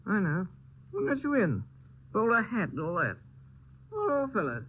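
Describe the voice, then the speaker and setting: Sozzled toff, lively slurred ramble, lo-fi old film sound. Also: male voice, high-pitched, moderate pace, slight background noise, exaggerated voice. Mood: tipsy. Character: drunk upper-class Englishman, rambling and silly.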